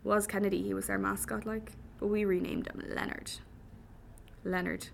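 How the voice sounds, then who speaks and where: A woman voicing a cheeky young Irish man who talks in a lively, teasing, slangy way. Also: mid-range voice, moderate pace, creaky, a little hiss or hum. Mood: cheerful.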